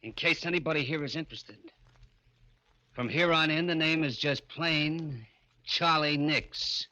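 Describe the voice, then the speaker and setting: Guy playing hood standing his ground, bit high, noisy old radio recording. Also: unhurried, dull audio, close to an everyday voice. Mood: defiant. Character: defiant male small-time hood asserting himself. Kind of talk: 1940s radio crime drama acting.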